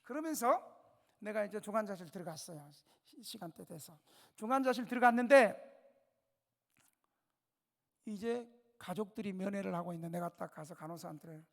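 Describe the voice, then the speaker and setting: A male pastor preaching a revival sermon, telling stories dramatically, dropping to a hush and then rising loud, and putting questions straight to the congregation. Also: high-pitched, lively intonation, moderate pace, creaky, pauses often. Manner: dramatic storytelling, swinging between hushed and loud. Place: church sanctuary. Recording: long church reverb.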